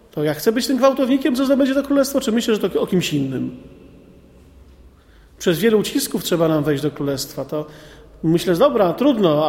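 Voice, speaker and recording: A man preaching to a group of men, reading scripture and commenting on it in a lively, colloquial way with many rhetorical questions. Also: high voice. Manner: lively, colloquial asides, frequent rhetorical "nie?". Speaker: preacher addressing a men's group. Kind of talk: sermon with Bible reading and commentary. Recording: long hall reverb.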